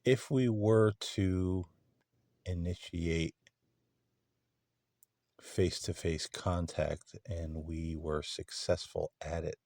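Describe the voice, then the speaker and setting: A man speaking politely and tentatively in halting phrases, as if putting careful questions in a paranormal session. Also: sits low, fairly even intonation, gravelly, darkish tone, dry recording. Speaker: paranormal channel host.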